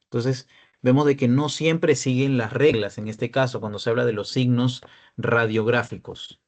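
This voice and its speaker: A young man delivers a radiology lecture as a peer tutor, walking through image examples step by step. His voice sits at an ordinary pitch with a rough, gravelly texture, and he keeps checking that his students are following. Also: fairly even intonation, normal speed, a little mellow. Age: young adult. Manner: explanatory, checks in often with "¿ya?" and "¿no?".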